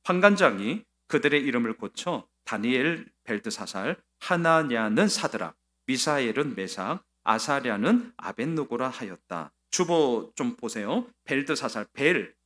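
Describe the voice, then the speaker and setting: A male pastor delivering a Sunday sermon with lively, sweeping intonation. His voice is bright and forceful, and he presses his points with emphatic rhetorical questions. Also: medium pitch, unhurried, hardly any pauses.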